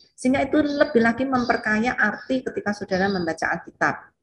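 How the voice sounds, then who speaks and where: With a Javanese accent, a woman speaks in a somewhat breathy voice at a fairly high pitch, with very wide pitch swings. Light background noise is present. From Central Java, Indonesia. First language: Javanese (speaking Indonesian). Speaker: Bible study trainer; Bible study teacher. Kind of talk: training lecture. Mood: warm, explanatory. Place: home room.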